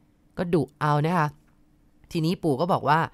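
Calm low-voiced woman telling ghost stories. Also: no echo. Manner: calm, polite, unhurried storytelling. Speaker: storyteller. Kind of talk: ghost story narration.

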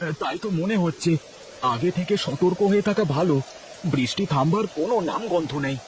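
A man's voice: high-pitched, animated, fairly quick, a little mellow, slight background noise. A man voicing a practical village husband in a cartoon, speaking plainly and steadily. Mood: urgent. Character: practical poor villager husband, male, calm. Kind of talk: cartoon voice acting.

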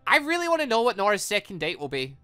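A gaming video host giving casual, chatty, rambling playthrough commentary in an animated way. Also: medium pitch, fast, clear, resonant tone, dry recording. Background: background music.

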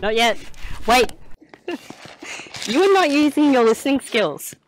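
A woman's voice: high voice, animated, measured pace, soft background music. A woman teasing someone, laughing as she talks.

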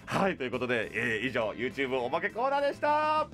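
A man hosting a casual studio radio chat, eager and effusive, quick to interject. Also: mid-range voice, wildly swooping pitch, fairly bright tone, faint music behind. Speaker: radio show host. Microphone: studio boom microphones, masked speakers.

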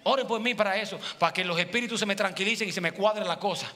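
A pastor in his forties with a Dominican accent, preaching a sermon and moving between loud appeals and quiet asides. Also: sits high, quick pace. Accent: Dominican Spanish. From Dominican Republic. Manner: preaching with sweeping gestures, voice swinging from loud to soft. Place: large church sanctuary with red seating. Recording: church hall reverb, faint music.

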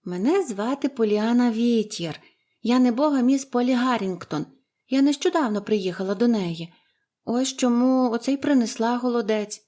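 A woman reads aloud as a cheerful, chatty young orphan girl from a storybook, her eager gushing pitched well above a typical adult voice. The girl sounds high and bright, bouncing with delight, at a moderate pace fairly close to an everyday voice.

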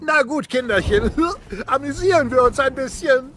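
A man's voice: extremely high pitch, moderate pace, a bit bright. An actor voicing a gleeful, taunting dino-bird villain who leads an attack, cackling as he goes.

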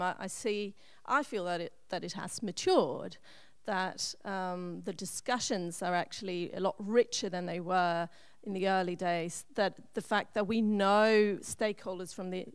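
A young woman speaking as a panelist on a conference stage, talking quickly and fluently with frequent "you know" into a handheld mic. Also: medium pitch, smooth, dry recording. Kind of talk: panel discussion. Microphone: handheld microphone.

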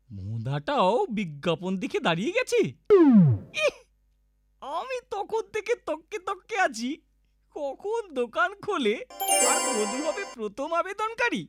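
A woman's voice: sits high, wildly swooping pitch, a little slow, pauses often, exaggerated voice. A woman voicing a scheming, boastful boy in a children's comedy cartoon, theatrical and exclamatory. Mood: sly, scheming. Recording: music behind the voice. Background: music.

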